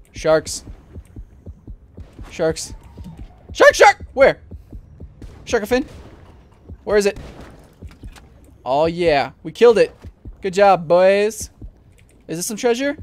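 A young man commentating his gameplay at a desk mic at home, jumpy and swearing, often breaking into panicked shouts. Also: high-pitched, animated, slow, pauses often. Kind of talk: let's play commentary.

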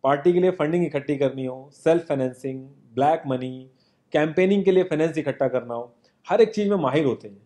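Young man, earnest and informal, slightly high voice, mellow tone, seated studio monologue. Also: fairly quick. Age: young adult. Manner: earnest, informal, addresses the viewer as "yaar". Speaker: social commentary presenter. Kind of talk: scripted monologue to camera. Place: indoor home studio, seated.

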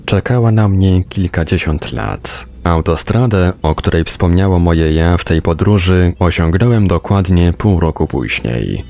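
A man's voice: sits low, warm tone. A man reading a first-person account aloud as scripted audiobook narration. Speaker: audiobook reader.

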